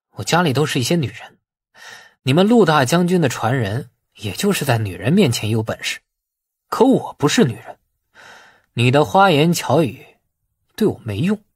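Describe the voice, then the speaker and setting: A man's voice: medium pitch, husky, no echo. A man voicing a sullen, resentful young heir in an audiobook, taunting and sarcastic with a drawl.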